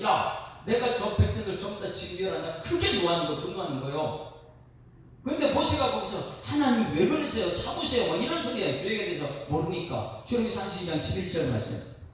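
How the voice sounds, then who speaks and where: A male pastor giving an evening sermon in a church, emphatic and repetitive, full of rhetorical questions. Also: high-pitched. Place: church sanctuary. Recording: echoey sanctuary from far off.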